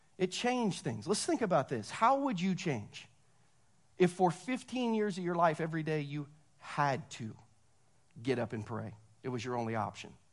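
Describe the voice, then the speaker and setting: Against a quiet background, a man with a fairly high pitch speaks at a moderate pace. His pitch swings very widely, and he leaves long, frequent pauses. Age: 40s. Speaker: pastor. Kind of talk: sermon. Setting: church.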